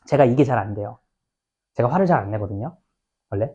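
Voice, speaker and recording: A man teaching a high school English lesson, speaking informally and animatedly and asking his students questions as he goes. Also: expressive, fairly quick, darkish tone, highs cut off. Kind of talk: lecture explaining a textbook passage.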